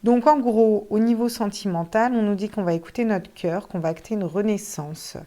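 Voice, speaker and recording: A woman's voice: medium pitch, steady tone, moderate pace, warm tone. A woman giving a casual tarot reading to viewers, chatty and thinking aloud, with some casual swearing. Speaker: tarot card reader.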